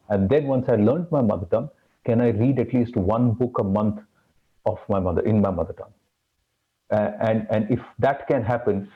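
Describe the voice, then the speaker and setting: A low-voiced host sums up the discussion in a reflective way. His voice comes through a thin, phone-like line, narrow and tinny. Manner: reflective, wrapping up. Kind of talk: panel discussion.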